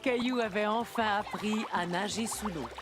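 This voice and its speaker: A woman giving scripted storybook narration for a cartoon, in an even storytelling way. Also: mid-range voice, normal speed, noisy background.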